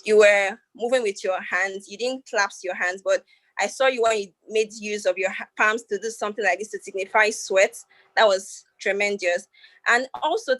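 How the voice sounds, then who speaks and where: A woman evaluates a speech with measured praise. Her voice sits in a middle range. The sound is dry and close. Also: mid-range voice, fairly bright tone, no echo, poor audio.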